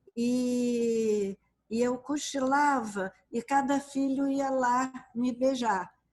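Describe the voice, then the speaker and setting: A woman's high-pitched voice, very slow, with fairly even intonation. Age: 70s. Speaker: spiritist medium. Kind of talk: interview.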